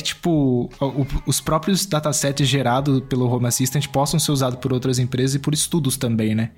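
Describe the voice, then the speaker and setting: A man with a Brazilian Portuguese accent, co-hosting a tech podcast in casual chat, relaxed, chuckling often and restarting his sentences. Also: medium pitch. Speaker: podcast co-host.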